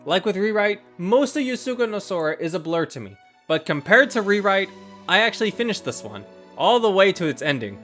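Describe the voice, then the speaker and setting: High-pitched man narrating a video essay. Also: big pitch swings, fairly quick, fairly bright tone. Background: background music.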